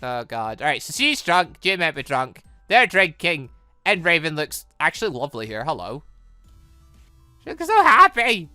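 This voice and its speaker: A man's voice: a little high, wildly swooping pitch, normal speed, sharp tone, dry recording. A young man doing casual game commentary, rambling and trailing off into nonsense syllables. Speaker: gaming channel host. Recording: music behind the voice.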